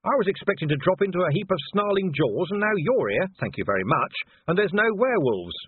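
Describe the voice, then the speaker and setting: A man voicing a weary, blunt middle-aged male watch commander in an audiobook, with sarcastic, gruff delivery. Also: high voice, big pitch swings, brisk, no echo, voice pushed up, full character voice. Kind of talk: audiobook character voice. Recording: dry, narrow phone-like sound.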